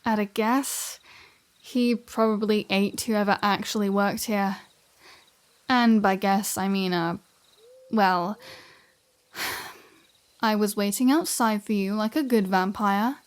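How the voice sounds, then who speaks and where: A woman's voice: medium pitch, steady tone, slow, long pauses, clean tone, natural voice. Sarcastic, flirty vampire woman, acted by a woman. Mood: sardonic, chatty. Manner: teasing, wry, conversational with sighs and asides. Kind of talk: scripted ASMR audio roleplay, addressing the listener.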